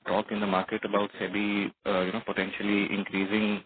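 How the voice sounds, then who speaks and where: Low-voiced man, noisy phone line. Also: completely flat delivery, brisk. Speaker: individual investor calling in. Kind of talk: asking questions on an earnings call. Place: phone call.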